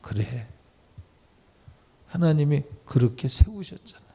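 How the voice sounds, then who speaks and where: A male pastor delivering a lively sermon, moving between polite speech and blunt, informal address to his listeners. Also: on the high side, a little slow, gravelly, slightly rough. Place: church sanctuary.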